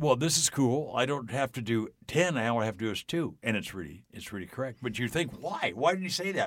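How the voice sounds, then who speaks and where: With an American accent, a man talks at a fairly quick pace with hardly any pauses, his medium-pitched voice carrying lively intonation. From Southern California. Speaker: business executive. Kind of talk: interview. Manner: animated.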